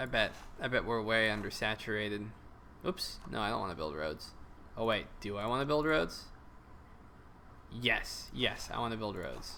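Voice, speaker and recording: Speaking at a moderate pace with an American accent, a man uses lively intonation and a fairly low pitch, leaving long, frequent pauses in audible room echo. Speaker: game modder and streamer. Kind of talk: casual live stream while playing and debugging. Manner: animated.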